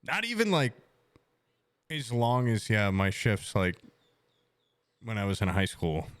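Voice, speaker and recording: Slow-talking low-voiced young man. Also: big pitch swings, fairly bright tone, no echo. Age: 20s. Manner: rambling, joking, self-mocking. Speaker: streamer. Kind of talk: casual stream chat.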